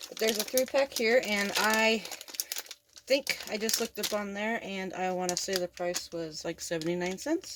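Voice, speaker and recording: Against noticeable background noise, the speaker talks at a moderate pace with ordinary pitch variation. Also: woman, medium pitch for a woman. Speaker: homesteader vlogger. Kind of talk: product unboxing vlog. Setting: husband's workshop. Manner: quiet, trying not to wake husband; casual, hesitant with fillers.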